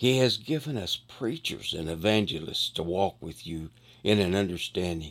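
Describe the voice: Lively intonation over plain reading aloud.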